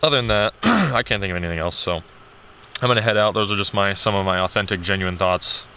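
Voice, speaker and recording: A man talking in a casual, unscripted vlog style, candid and rambling as he thinks aloud, his voice getting a little hoarse. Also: on the low side, animated, fast, pushed and bright, slight background noise. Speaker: video creator.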